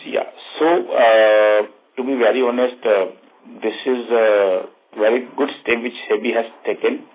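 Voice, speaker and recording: A man with an Indian accent answering investor questions as a company executive on an earnings call, in a halting way, rephrasing mid-thought. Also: on the low side, fairly even intonation. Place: conference phone call. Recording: muffled narrow phone line.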